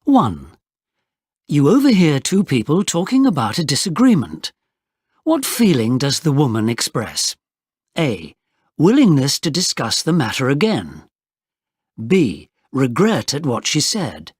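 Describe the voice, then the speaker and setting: Slow, breathy exam narrator, a man. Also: on the high side, huge pitch swings, a little mellow, no room sound, studio quality. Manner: slow, deliberate, very clearly spoken. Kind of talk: scripted test instructions.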